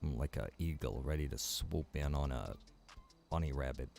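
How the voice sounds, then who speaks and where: A man's voice: extremely low pitch, moderate pace, creaky, darkish tone, faint music behind. A man streaming a game, chatting casually with viewers, rambling and joking as he plays. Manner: rambling and joking, chats to viewers and reacts while playing.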